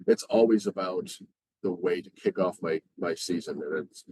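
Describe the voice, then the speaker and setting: A man's voice: sits low, moderate pace, darkish tone, low-quality recording. A middle-aged man who voices parts in community radio plays, talking conversationally in a podcast interview. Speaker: community radio play actor.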